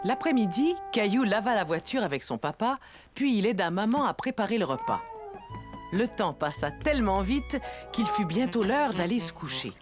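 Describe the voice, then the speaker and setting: A woman's voice: medium pitch, very animated, moderate pace. A woman narrating a scripted children's story. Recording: music under the voice.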